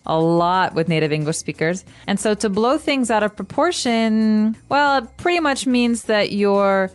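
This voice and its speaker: A woman's voice: medium pitch, animated, a little slow, clean tone. Woman co-host explaining phrases. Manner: explains phrases with acted example lines. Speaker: podcast co-host. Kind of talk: casual teaching chat.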